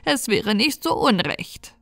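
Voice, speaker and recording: A woman voicing a scheming old witch who coaxes and coos in a sing-song way, with soft music behind. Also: big pitch swings, slow, vocal fry, exaggerated voice. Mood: wheedling. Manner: coaxing, sing-song cooing, high and loud. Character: scheming old female witch, sly and wheedling.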